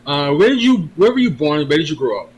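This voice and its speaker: A man's voice: fairly high pitch, big pitch swings, quick pace, slightly rough, low-quality recording. A man hosting a conversational interview, speaking emphatically as he introduces and questions his guest. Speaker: interviewer, host.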